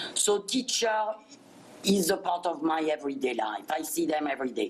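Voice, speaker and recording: Noticeable background noise runs under a woman speaking with a French accent. Her intonation is lively and her pace moderate. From France. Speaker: author. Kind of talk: interview. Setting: studio.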